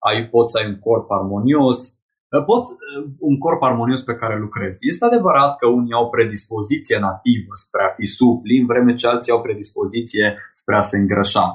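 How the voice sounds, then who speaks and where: A man's somewhat breathy voice at a medium pitch. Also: ordinary pitch variation, moderate pace. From Transylvania, Cluj. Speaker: diction coach. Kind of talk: interview. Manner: articulate.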